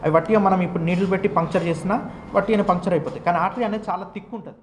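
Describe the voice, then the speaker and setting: A man, the son of a patient, explaining a medical condition to a reporter, speeding up and slowing down as he goes. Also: sits high, steady tone, slight background noise. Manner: explanatory, uneven pace, restarts. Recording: echoey room.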